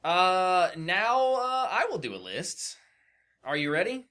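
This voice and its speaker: Man, podcast co-host, forceful bright tone, lively intonation, casual profane banter, quizmaster style. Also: sits high, takes it slowly. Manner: profane, animated, informal. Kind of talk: casual banter, running a trivia guessing game.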